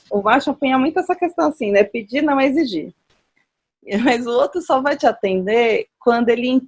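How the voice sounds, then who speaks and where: A woman with a high, slightly husky voice talks through her ideas in a relaxed conversation. She thinks aloud and turns animated when she acts out everyday examples. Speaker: guest speaker. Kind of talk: conversational talk on nonviolent communication.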